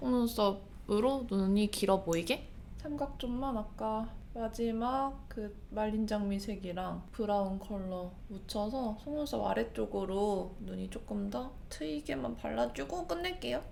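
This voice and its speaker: At a very slow pace, a woman of medium pitch speaks with very wide pitch swings, amid noticeable background noise and audible room echo. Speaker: beauty YouTuber. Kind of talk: casual makeup tutorial chat. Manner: slightly slurred articulation.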